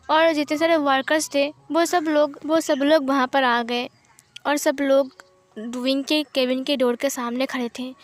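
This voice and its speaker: A woman reading fan fiction aloud in a chatty storytelling manner. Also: high voice.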